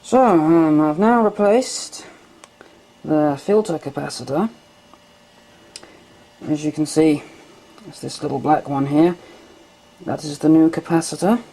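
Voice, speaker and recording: Low, mellow-voiced woman demoing gear. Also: unhurried, pauses often, poor audio. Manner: calm step-by-step explaining while handling equipment. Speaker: hobbyist vlogger. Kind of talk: casual demonstration narration. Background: faint machine hum.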